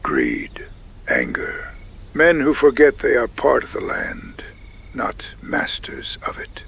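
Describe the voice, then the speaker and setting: Man playing a gravelly, whispery, solemn tribal chief. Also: medium pitch, wildly swooping pitch, exaggerated voice. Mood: measured, wise. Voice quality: breathy, gravelly, often dropping to a whisper. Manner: slow, measured, grave pronouncements. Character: solemn, wise Native tribal chief in frontier America. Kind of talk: audio drama acting.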